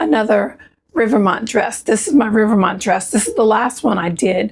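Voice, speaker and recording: Vocal fry marks a woman's fairly high-pitched voice, delivered at a moderate pace with ordinary pitch variation. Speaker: sewing vlogger. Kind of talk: casual vlog chat. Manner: halting, repeats words.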